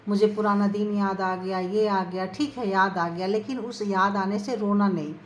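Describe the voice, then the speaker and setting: A middle-aged woman talks through a tarot reading in a relaxed, chatty way and keeps checking that her viewers are following. She speaks at an ordinary pitch. The room sounds echoey, with a faint hum behind her. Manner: chatty, coaxing, often asks viewers "ठीक है?". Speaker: tarot reader, channel host.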